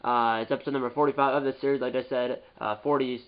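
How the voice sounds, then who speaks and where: A man's voice: medium pitch, fairly even intonation, quick pace, clear, resonant tone, muffled recording. A man with a stuffed-up nose from a cold, giving casual, rambling gameplay commentary and often repeating and correcting himself. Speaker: gaming YouTuber.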